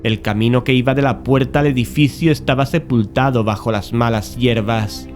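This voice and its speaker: A man's voice: medium pitch, fairly even intonation, normal speed. A man narrating a literary horror audiobook in a scripted storytelling style. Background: music.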